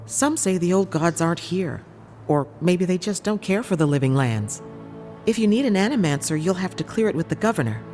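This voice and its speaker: A woman's voice: lowish voice, lively intonation, fairly quick, darkish tone, faint music behind, close to an everyday voice. A woman playing a weary but hospitable market trader in a fantasy video game, plainspoken and conversational. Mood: wary, resigned. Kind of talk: video game character acting.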